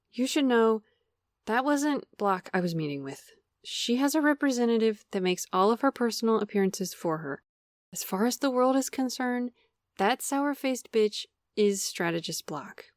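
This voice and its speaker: A remorseful woman played by an actress pleads earnestly in an audio drama. Her voice sits fairly high, and the sound is very dry, with no room on it. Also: no echo. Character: remorseful woman pleading with the one she betrayed. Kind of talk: scripted audio drama dialogue.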